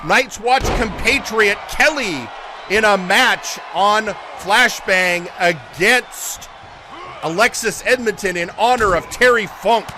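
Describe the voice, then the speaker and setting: Male wrestling commentator, high voice, slow drawn-out exclamatory calls over a noisy crowd. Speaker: wrestling commentator, lead play-by-play. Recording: loud crowd and music behind. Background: crowd noise, music, ring thuds.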